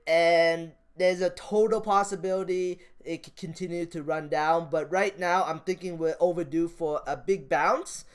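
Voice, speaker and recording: A man's voice: high-pitched, smooth. A man talking off the cuff like a vlogger about his views, rambling, repeating phrases and restarting his sentences. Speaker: stock market vlogger. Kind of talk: casual off-the-cuff vlog commentary.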